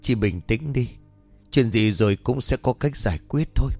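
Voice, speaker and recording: A man's voice: medium pitch, animated, normal speed, a little mellow, faint music behind. A man doing a reassuring village woman friend. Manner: reassuring, hesitant. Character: helpful village woman friend, hushed and calming.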